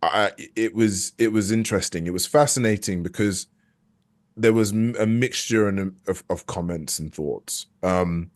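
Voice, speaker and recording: A lowish male voice at a normal speed: a young adult actor, here as an interview guest, chatting in a casual, candid way. Reflective in manner, he often hesitates and restarts his sentences as he works through his thoughts aloud.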